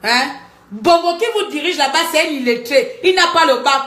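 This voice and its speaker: A woman talking to her viewers in a live-stream monologue, animated, scolding and joking by turns. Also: sits high, normal speed. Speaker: livestreamer. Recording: echoey room.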